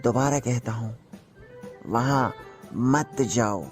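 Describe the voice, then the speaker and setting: An actor playing a nagging older uncle who scolds and teases in a slow, deliberate way. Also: male voice, a little high, expressive, dark tone, faint music behind.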